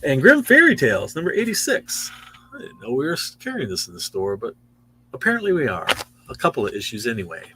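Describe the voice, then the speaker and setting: A man's voice: medium pitch, wildly swooping pitch, brisk, noisy background. A man in his sixties hosting a casual show-and-tell of new comics in a store, chatty and easily impressed. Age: 60s. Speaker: comic shop host.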